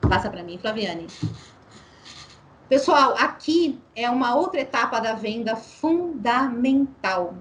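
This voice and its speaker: A woman's voice: on the high side, lively intonation, slow pace, poor audio. A woman leading a sales training, speaking persuasively and asking the listener rhetorical questions.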